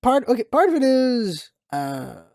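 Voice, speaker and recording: A man hosting a casual gaming podcast, speaking haltingly as he thinks aloud. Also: extremely high pitch, very animated, gravelly, darkish tone, no echo, studio quality. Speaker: podcast host and gaming content creator.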